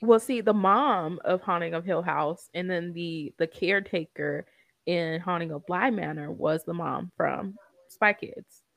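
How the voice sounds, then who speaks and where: A woman's voice: unhurried, creaky. A woman chatting casually while reacting to a show, telling stories and laughing often. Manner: animated storyteller, laughs often, acts out quotes in high voices.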